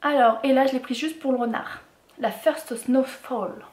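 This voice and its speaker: A woman's voice: sits high, steady tone, brisk. Chatty woman, echoey room. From France. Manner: chatty, many fillers and restarts. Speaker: vlogger. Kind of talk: casual haul vlog.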